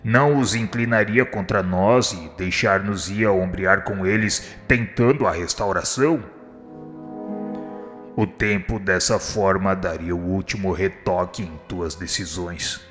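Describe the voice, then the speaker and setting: Man as deep-voiced, beseeching spirit guide. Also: unhurried, fairly bright tone. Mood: gentle persuasion. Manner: formal, earnest, beseeching. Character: kindly, humble male spiritual instructor pleading for mercy. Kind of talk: radio drama acting. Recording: long reverb, music underneath.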